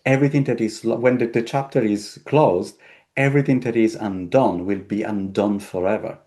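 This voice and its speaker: Low-voiced man searching for his words. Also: moderate pace, warm tone. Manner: searching for words, repeating himself. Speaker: tarot deck creator. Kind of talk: casual interview conversation.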